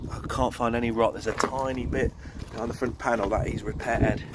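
With loud background noise behind him, a man speaks at a moderate pace. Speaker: van seller. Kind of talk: casual walk-around commentary. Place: open country. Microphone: phone near.

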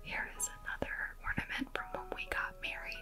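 A woman whispers over music in the background. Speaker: ASMR creator. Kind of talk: ASMR show and tell. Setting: voice-over recorded separately with soft Christmas music in the background. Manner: whispered, soft-spoken. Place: home room. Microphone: phone near.

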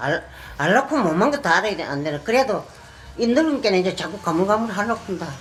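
Over noticeable background noise, a woman of medium pitch races along at a very fast pace with very wide pitch swings. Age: 80s+. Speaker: self-taught English learner. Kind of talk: TV documentary interview answer.

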